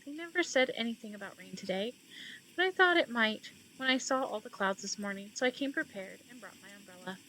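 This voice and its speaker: A woman's voice: on the high side, lively intonation, fairly quick, poor audio. A woman hosting a let's play, casually reading the game's story text aloud and commenting on it. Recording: loud background noise.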